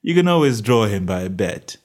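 A man voicing a calm, self-assured male detective with a bland, measured manner. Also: lowish voice.

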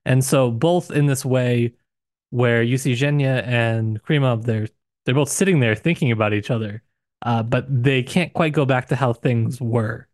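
A man co-hosting a casual book discussion podcast, hesitant and searching for words, with frequent restarts and sudden rises in pitch. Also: measured pace, no echo, studio quality. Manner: hesitant, many restarts and hedges, animated pitch jumps. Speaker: podcast co-host discussing a novel.

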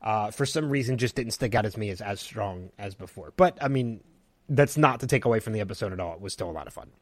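A man co-hosting a podcast, excitedly recapping TV episodes in casual chat with restarts. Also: on the low side, fast, dry recording. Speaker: podcast co-host.

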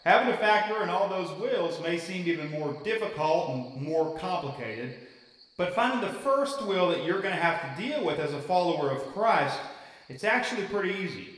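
An actor playing a chummy youth pastor, preaching casually and jokingly to a church camp crowd in an audio drama. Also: male voice, high-pitched, animated, normal speed, fairly bright tone. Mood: teasing, preaching. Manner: chummy, rhetorical, self-deprecating. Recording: echoey large hall, distant from microphone.

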